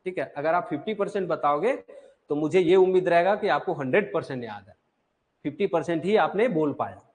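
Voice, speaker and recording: A man's voice: fairly high pitch, fairly quick, darkish tone. A man teaching an online exam-prep class, explaining step by step, asking questions and answering them himself, with mixed into his talk.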